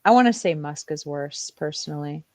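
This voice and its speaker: A woman's voice: low-pitched, lively intonation, moderate pace, darkish tone, dry recording. A woman co-hosting a casual chat, blunt and sardonic, who laughs easily. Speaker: co-host.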